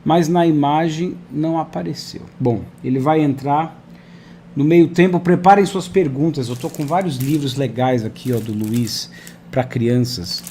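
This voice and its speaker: A man's voice: a little high, unhurried, mellow, a little hiss or hum. A man hosting a live online interview over a video call, chatty and friendly, talking to viewers and his guest. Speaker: host.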